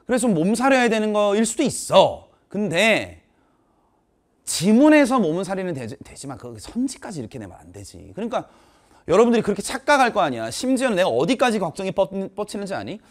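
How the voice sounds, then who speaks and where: A man's voice: high voice, a little fast. A man teaching test prep, ranting with exasperation about an exam and speaking straight to his students, moving between polite and casual speech. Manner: animated, exasperated ranting, addressing students directly. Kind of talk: informal exam commentary to students.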